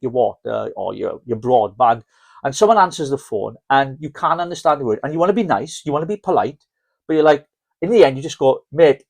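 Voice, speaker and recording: A man's voice: mid-range voice, gravelly, darkish tone. A Welsh man hosting a podcast in a casual, jokey chat, rambling and restarting his sentences. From Wales. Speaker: podcast host.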